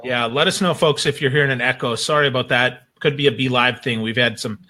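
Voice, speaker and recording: A man's voice: medium pitch, steady tone, quick pace, pushed and bright. A man chatting casually as a talk show guest, enthusiastic and full of folksy exclamations. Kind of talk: casual panel chat.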